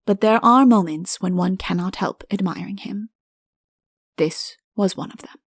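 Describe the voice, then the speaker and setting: A woman's voice: mid-range voice, measured pace, slightly rough, dry recording. Woman narrating a comic fairy tale, dry sound. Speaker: audiobook narrator.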